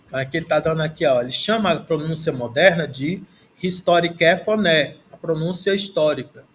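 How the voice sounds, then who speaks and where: A man with a Brazilian Portuguese accent and a slightly high voice speaks a little fast over a faint hiss or hum. At a desk in a screen recording, he gives a slow, halting language lesson from a textbook, saying words aloud several times as he thinks through how to pronounce them.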